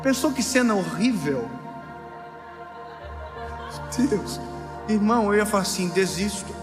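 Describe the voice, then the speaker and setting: High-voiced pastor preaching. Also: male voice, animated, measured pace. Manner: emphatic preaching, rising to near shouts, playful asides to the congregation. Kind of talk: sermon. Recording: live hall with long reverb and music.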